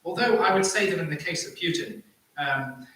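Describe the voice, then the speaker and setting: A man speaking as a panelist, arguing a point in halting phrases with repeated words. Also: a little high, pushed and bright. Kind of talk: impassioned debate argument. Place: live panel event in an echoey room. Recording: very echoey room, distant microphone.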